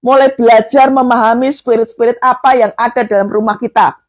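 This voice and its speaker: A woman's voice: on the high side, fairly even intonation, a little fast. A woman preacher giving an emphatic, exhorting sermon, peppered with filler tags.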